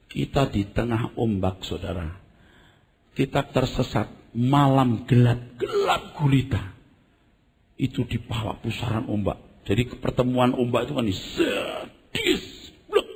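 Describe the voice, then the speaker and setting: In a mid-range voice that carries a big-room sound, a male pastor preaches. He turns his sermon into lively storytelling, imitating screams and other sounds and regularly talking to the congregation.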